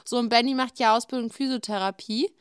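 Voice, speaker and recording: A woman co-hosting a casual podcast, telling stories in an animated way and often laughing, on a close mic. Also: fairly high pitch, fast talker, clean tone, dry recording. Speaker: podcast co-host. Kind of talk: casual chat.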